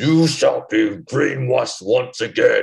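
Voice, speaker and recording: A man growls through a put-on character voice. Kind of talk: acted villain monologue. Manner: menacing, theatrical.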